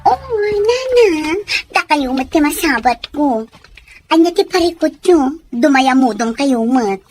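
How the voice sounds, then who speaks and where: High, animated young Filipina played by a woman. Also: takes it slowly, soft background music. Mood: cajoling. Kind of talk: Ilocano audio drama acting.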